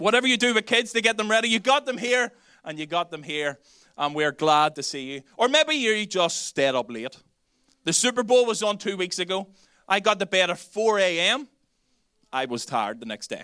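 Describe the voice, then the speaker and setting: In a Belfast accent, a man speaks with a raised, projected voice at a high pitch, with very wide pitch swings. His tone is bright and sharp, his pace moderate, and the sound dry and close with no echo. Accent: Belfast (Northern Irish). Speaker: pastor. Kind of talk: sermon. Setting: church with live audience and online stream.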